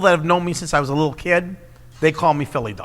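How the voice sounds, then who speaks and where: Here a man speaks with a Midwestern US accent. Background noise is noticeable. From Iowa, south side of Des Moines. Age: 60s. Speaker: comedian. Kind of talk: casual chat. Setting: stage with audience.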